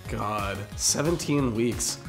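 A man riffing sarcastically as co-host of a casual chat, swinging into loud, excited bursts. His voice sits at an ordinary middle pitch. Faint music plays softly behind him. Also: takes it slowly.

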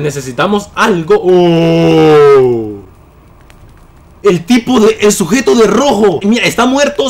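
High-voiced excitable young man gaming. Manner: excitable, yelling at enemies in bursts. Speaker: gaming YouTuber. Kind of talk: gameplay commentary.

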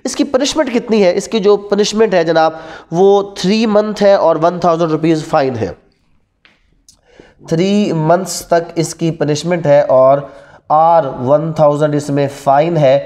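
A Pakistani law teacher lectures at a classroom whiteboard in a slightly high, darkish voice, speaking a little slowly. He keeps asking questions he answers himself and repeats key points for his students, using both Urdu and English terms.

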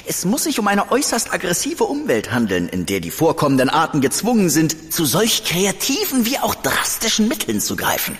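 Casting: a scholarly doctor, high lively voice, reverb. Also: male voice, normal speed, hardly any pauses, exaggerated voice. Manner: precise, scholarly. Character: earnest, learned doctor examining corpses.

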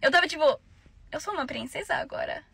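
Bright high foreign-accented young woman. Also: animated, fast talker, gravelly. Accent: foreign accent in Portuguese. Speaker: foreign exchange student. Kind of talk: social media clip monologue. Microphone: phone camera.

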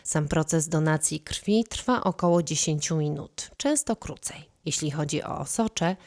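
A woman reporter narrating a news feature in a clear, composed voice. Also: deep voice, measured pace, darkish tone.

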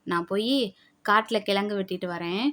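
A woman's voice: mid-range voice, steady tone, normal speed, fairly bright tone, close to an everyday voice. A woman voicing a lonely, kindly elderly village grandmother who fusses and scolds in a motherly, chatty way. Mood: warm chatting.

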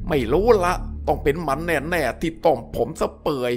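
A man's voice: fairly high pitch, moderate pace, soft background music, lightly acted. A man doing a sly, hot-tempered young crook. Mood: indignant.

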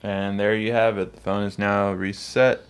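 A man's voice: fairly low pitch, flat delivery, normal speed, clear, resonant tone. A man hosting a casual step-by-step tech tutorial, talking the viewer through each step. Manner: spells out his name letter by letter in intro and sign-off.

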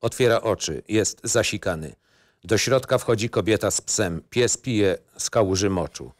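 Low-pitched man reading screenplay directions. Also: normal speed, no room sound, studio quality. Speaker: narrator reading stage directions. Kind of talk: scripted narration, screenplay reading.

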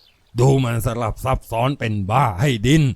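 A man voicing a hot-tempered, wealthy old father who scolds loudly. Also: lowish voice, animated, unhurried, no room sound. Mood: angry. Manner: loud, scolding.

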